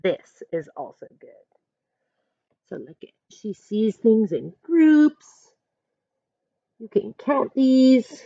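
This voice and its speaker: Reading a picture book to children, this female teacher is expressive and instructive, breaking off to talk straight to the kids. She speaks a little high and slowly, with a creaky voice and frequent pauses, on dull audio with no echo.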